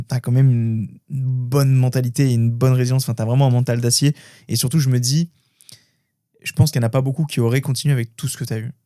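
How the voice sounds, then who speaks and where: A man's voice: medium pitch, mellow, dry recording, studio quality. A man hosting a podcast in an informal, conversational way, feeling his way through his phrases. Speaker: podcast host. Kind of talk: casual interview chat.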